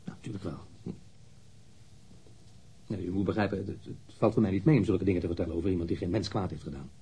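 A man's voice: low voice, fairly even intonation, fast, mellow, slight background noise, close to an everyday voice. An actor playing a guarded, reluctant engineer in his thirties being questioned in a radio drama, answering curtly and somewhat irritably. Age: 30s.

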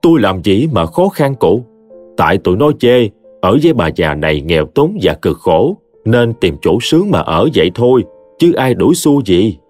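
A man's voice: lowish voice, very animated, moderate pace, soft background music. A man voicing a bitter, proud old grandmother who speaks sharply. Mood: resentful. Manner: sharp, resentful.

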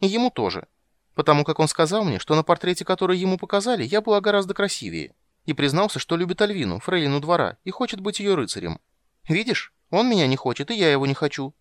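A bossy runaway princess girl whines in a high, piping voice, as a male storybook reader puts her on. She stays petulant and sniffly, and her pitch leaps about with lively swings. The sound is close and dry. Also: fast talker, no room sound. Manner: high petulant childish whining.

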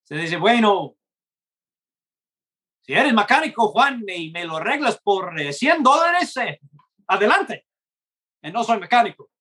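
A man preaching a gospel message in Spanish, which is not his first language, in a slow and earnest way, acting out short dialogues. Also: high voice, sing-song, pushed and bright, husky. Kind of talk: gospel sermon.

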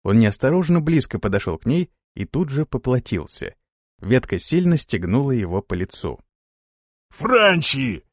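Give me an expressive male narrator reading a fantasy story, dry and close. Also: mid-range voice, moderate pace, no echo. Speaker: audiobook narrator. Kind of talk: scripted narration.

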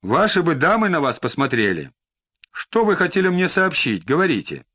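A calm police detective, as a male reader does him, asking measured questions with faint disdain. The intonation moves a good deal in a slightly high voice. The recording sounds a bit dull and lo-fi. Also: heavily acted. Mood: probing.

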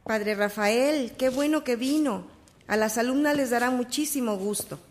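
A woman playing a fond, gently scolding Catholic nun in a radio drama, deferential and affectionate. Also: a little high, moderate pace, natural voice. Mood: welcoming.

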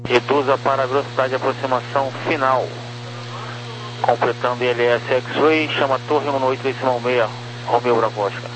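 A man with a Brazilian accent gives clipped air traffic control instructions over the radio, his medium-pitched voice steady and fairly quick. The transmission comes through a noisy channel with hum.

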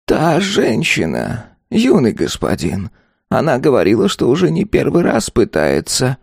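A man voicing a tiny golden ghost servant who calmly and persistently needles his master, speaking in a hushed, drawn-out sing-song. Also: medium pitch, creaky, slightly rough, no room sound, clean studio sound, voice pushed up, full character voice. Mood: coaxing. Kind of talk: audiobook character voice.

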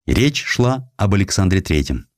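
A man's voice: low voice, moderate pace. A man narrating history as a dramatized audiobook, telling it expressively. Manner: expressive storytelling with acted quotations.

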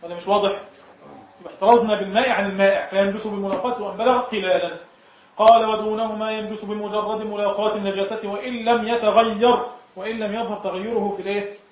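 A sheikh teaching Shafi'i jurisprudence, who has an Egyptian Arabic accent, leads a classroom lesson in a high, steady voice and speaks fast. He explains point by point, often asking the class whether each point is clear. The lo-fi recording sounds dull, with heavy lecture-room echo.

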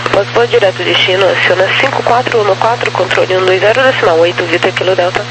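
A Brazilian man speaks in rapid, procedural air traffic phraseology. His voice sits high for a man and comes through a radio channel with clear hum and noise behind it. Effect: radio transmission. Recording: noisy humming aviation radio channel.

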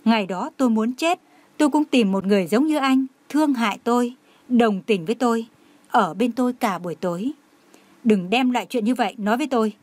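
Defiant tearful young heroine, woman reader, bright-pitched, dry read. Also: fairly quick, no echo, natural voice. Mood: defiant anger. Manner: indignant, pleading.

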